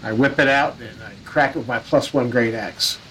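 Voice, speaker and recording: A man's voice: medium pitch, fairly even intonation, moderate pace, fairly bright tone, a little hiss or hum, poor audio. A man playing a tabletop game, swearing casually and checking the rules aloud. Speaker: player.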